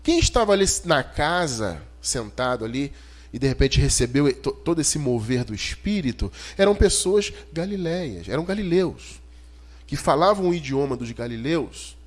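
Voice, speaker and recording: Speaking at normal speed, this fairly high-pitched preacher swings widely in pitch as he teaches scripture verse by verse. He has a Brazilian Portuguese accent and delivers the expository sermon didactically and with emphasis, asking his listeners rhetorical questions.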